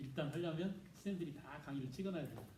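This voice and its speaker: A man's dark, mellow tone with vocal fry, at a fairly quick pace, with audible room echo. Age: 60s. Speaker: history teacher. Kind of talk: lecture. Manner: animated.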